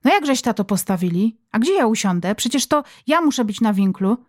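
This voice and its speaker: A woman's voice: on the high side, expressive, brisk, no echo, studio quality. A woman voicing a domineering, foul-mouthed middle-aged country mother who scolds her family in rural dialect. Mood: bossy.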